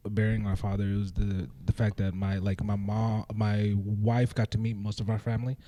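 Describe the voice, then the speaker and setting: A man from Tanzania talks haltingly as a podcast guest, pausing often with fillers. His voice sits on the low side. The recording is dry, with little room sound. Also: little pitch movement, dark tone, no room sound. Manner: hesitant, many fillers. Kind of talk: casual chat.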